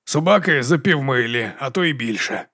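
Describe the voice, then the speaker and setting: A man voicing a sardonic aristocratic baron who drawls slowly and mockingly. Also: mid-range voice, no echo, lightly acted. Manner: slow, dry and mocking.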